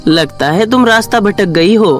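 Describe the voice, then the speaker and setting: A man's voice: sits high, normal speed, soft background music, natural voice. A man playing a courteous, inviting young stranger in a cartoon story.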